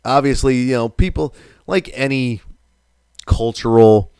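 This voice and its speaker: A man's voice: mid-range voice, measured pace, darkish tone, clear, resonant tone, no echo, studio quality. A man in his thirties from New England, hosting a live stream in casual, rambling chat, swearing now and then and reading viewer comments aloud.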